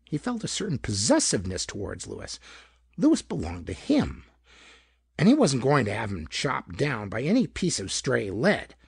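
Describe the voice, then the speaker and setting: A man narrating a pulp detective story in a gravelly, husky voice, with dramatic storytelling delivery. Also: mid-range voice, huge pitch swings, normal speed, no room sound, clean studio sound. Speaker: audiobook narrator. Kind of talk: scripted narration of hardboiled pulp detective fiction.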